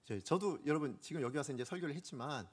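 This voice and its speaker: A man's voice: on the high side, quick pace, slightly rough. A male pastor preaching a sermon, telling a story from his own ministry, asking the congregation questions and acting out what people said. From Korea. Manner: animated, asks the congregation questions; acts out quoted speech.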